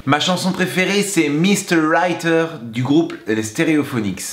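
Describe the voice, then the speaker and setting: A man's voice: on the high side, a little slow, echoey room. A man, a singer and YouTuber, answers fan questions in a playful, chatty vlog style. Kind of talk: casual vlog Q&A.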